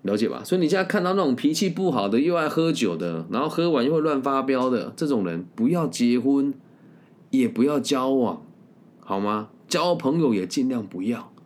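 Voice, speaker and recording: A man, a career-planning coach, telling a story in a casual monologue. He talks bluntly and candidly and often ends sentences with drawn-out particles. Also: mid-range voice, very animated, darkish tone.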